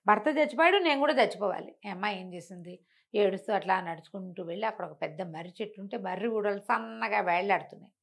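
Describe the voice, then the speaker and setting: A woman telling a folk tale in a conversational, expressive storyteller's way, repeating phrases for emphasis. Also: medium pitch, fast, gravelly.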